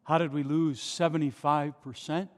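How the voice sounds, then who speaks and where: This male pastor's voice is on the high side and steady in tone, moving at a moderate pace as he preaches an impassioned sermon with rhetorical questions. He speaks into a pulpit microphone in a large, nearly empty church, and long reverb carries through the recording.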